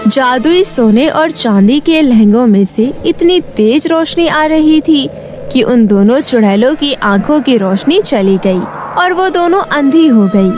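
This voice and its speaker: A woman's voice: high voice, expressive, unhurried, darkish tone, soft background music. A woman narrating a scripted children's story as a storyteller.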